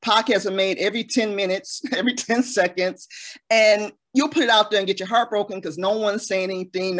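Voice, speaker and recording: A woman who makes audio dramas, giving earnest, practical advice in a casual panel talk. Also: medium pitch.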